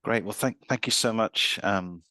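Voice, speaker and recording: A university lecturer, a man, presenting his research over a video call, a bit hoarse from being unwell and repeating words as he thinks. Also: lowish voice, moderate pace, bright, forceful tone, dry recording. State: slightly hoarse from illness. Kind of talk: academic presentation.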